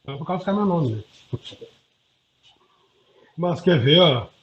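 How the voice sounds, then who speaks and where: A man's voice: a little high, lively intonation, unhurried. A man sharing earnest, self-deprecating reflections in a group discussion over a video call. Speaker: study group participant. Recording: dull lo-fi audio.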